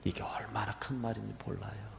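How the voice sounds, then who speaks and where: A Catholic priest delivers a retreat sermon as vivid storytelling. His voice is a man's, sitting a little high, and it lurches from loud cries to near-whispers. Everything carries a long, roomy reverb. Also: animated, measured pace. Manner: dramatic storytelling, swinging from shouts to whispers. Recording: echoey hall with long reverb.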